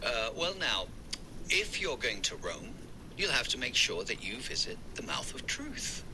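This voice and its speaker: Lively, bright-voiced older dad. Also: male voice, mid-range voice, measured pace, a little hiss or hum, full character voice, rough recording. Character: genial older father, fond of trivia. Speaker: father.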